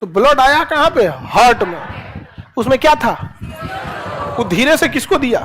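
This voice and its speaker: A man's voice: very high voice, measured pace, noisy background. A man teaching a class, firing questions and repeating answers in a call-and-response drill. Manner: animated, drills students with repeated questions and acted asides.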